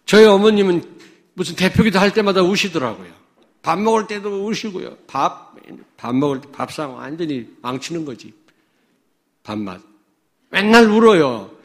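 A man from Chungcheong preaching a sermon, swinging between loud declarations and low asides to the congregation, with many rhetorical questions. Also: animated, normal speed, gravelly. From Chungcheong, South Korea. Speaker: pastor.

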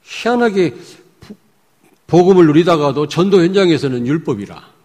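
Husky male pastor in an echoey hall. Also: on the high side, lively intonation, normal speed. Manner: emphatic, swinging between loud and hushed asides. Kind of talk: sermon.

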